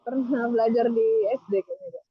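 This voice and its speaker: A woman's voice: on the high side, fairly even intonation, fairly quick, muffled recording. A woman participant answers a trainer's questions politely and briefly while riding as a passenger on the road.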